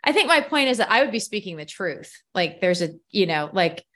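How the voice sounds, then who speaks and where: A woman's voice: medium pitch, very animated, fairly quick, fairly bright tone. A woman hosting a podcast, chatting frankly, swearing at times and laughing easily. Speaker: podcast host. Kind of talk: casual podcast chat.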